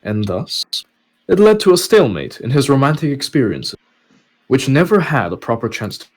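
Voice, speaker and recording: A man's voice: medium pitch, big pitch swings, moderate pace. A man narrating a web novel chapter as a podcast host, reading scripted prose aloud. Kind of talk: story narration with casual asides.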